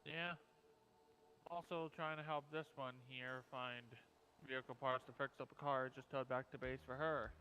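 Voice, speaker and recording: A man's voice: mid-range voice, steady tone, normal speed, bright, forceful tone, a little hiss or hum, low-quality recording. A man chatting casually in character as a survivor in an online roleplay game. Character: Alex, helpful scavenging survivor in zombie roleplay.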